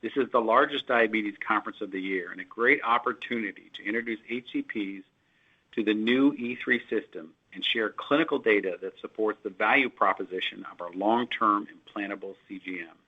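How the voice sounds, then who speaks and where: A man, a company executive, reading prepared earnings call remarks in a steady, formal way with occasional slips, heard over dull lo-fi conference call audio. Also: lowish voice, brisk, husky.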